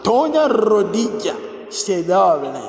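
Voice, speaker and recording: Fervent priest in an echoey church. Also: male voice, sits high, very animated, slow, darkish tone. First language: not Spanish. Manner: fervent, repetitive invocations, rising to exclamations. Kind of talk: healing mass homily. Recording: echoey church with long reverb.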